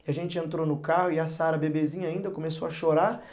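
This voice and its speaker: A man, a pastor and psychologist, talks as a podcast guest in a voice pitched a bit higher than most men's. He tells lively family stories and jumps into the voices of the people in them. His advice comes across as earnest and direct. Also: quick pace. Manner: animated storyteller who acts out parents and children; earnest, advising. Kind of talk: podcast interview talk.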